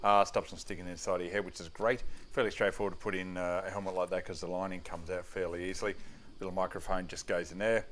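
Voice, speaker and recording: A man's voice: deep voice, little pitch movement, quick pace, a bit bright. An Australian man giving a casual product review as a motorcycle gear reviewer, plain-spoken and matter-of-fact.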